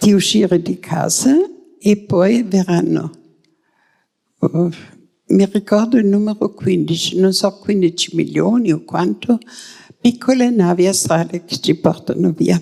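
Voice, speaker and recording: A woman's medium-pitched voice, dark and mellow in tone with vocal fry, at a fairly slow pace with ordinary pitch variation and long, frequent pauses. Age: 80s+. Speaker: audience member asking a question; reflexologist and massage therapist. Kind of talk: audience question at a conference.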